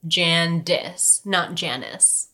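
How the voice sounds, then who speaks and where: A young woman hosting a podcast, a stand-up comedian trading deadpan jokes in casual chat. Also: lowish voice, drawn-out words. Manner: playful, deadpan jokes, frequent laughs.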